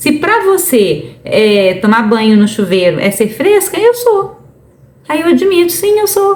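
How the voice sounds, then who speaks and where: Speaking at a fairly slow pace, a woman's extremely high voice holds very even loudness while her pitch swings very widely. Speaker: psychologist and hypnotherapist. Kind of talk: casual educational talk to camera.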